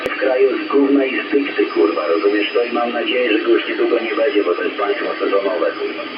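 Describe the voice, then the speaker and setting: A man's voice: fairly low pitch, quick pace, heavy background noise. A man ranting bitterly over a CB radio link, sneering and swearing nonstop. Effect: transmitted over CB radio. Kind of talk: angry rant. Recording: muffled distant radio with echo and loud music. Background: loud music.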